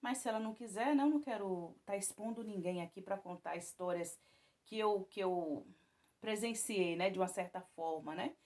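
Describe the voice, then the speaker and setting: Telling viewers her Christian testimony at a moderate pace, this woman meanders, often restarting and adding tag questions. Whenever she recalls frightening moments, her voice climbs high and gets loud.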